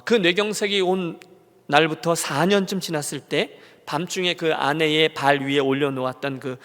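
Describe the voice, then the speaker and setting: High-voiced emotive man preaching a sermon. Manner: emotive storytelling, acting out quoted prayers and God's soft replies; drops to hushed slow lines for quotes. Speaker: pastor. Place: church sanctuary. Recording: long church-hall reverb.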